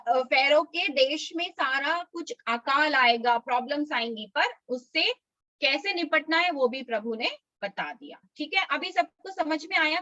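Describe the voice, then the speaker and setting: Woman, Sunday school teacher, high bright voice, coaxing kids on a dull video call. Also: no echo. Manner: coaxing, slow drilled recitation for small kids. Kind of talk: online children's class.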